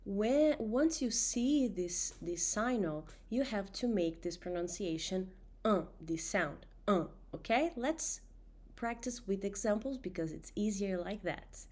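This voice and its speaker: A woman with a Brazilian accent, a native Portuguese speaker, teaching pronunciation with deliberately enunciated nasal vowel drills for learners to repeat. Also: medium pitch, expressive, a little mellow. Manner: slow, deliberate enunciation of example words and nasal sounds. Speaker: language teacher.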